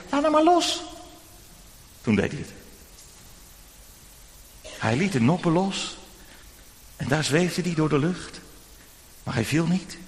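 A man preaching a children's sermon in church, telling a story gently and speaking directly to the children. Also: on the high side. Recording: long church reverb.

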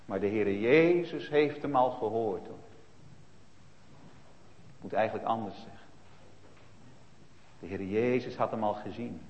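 A man preaching a sermon to children, emphatic and shifting between loud stresses and hushed asides, with many tag questions. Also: on the low side, measured pace, long pauses. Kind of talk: sermon retelling a Bible story for children. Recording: reverberant, dull lo-fi church recording.

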